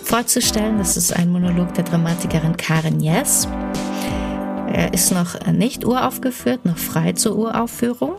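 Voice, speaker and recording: A woman hosting a play reading, introducing and summarizing the piece in a relaxed, explanatory way with occasional fillers. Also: lowish voice, moderate pace, vocal fry, over music.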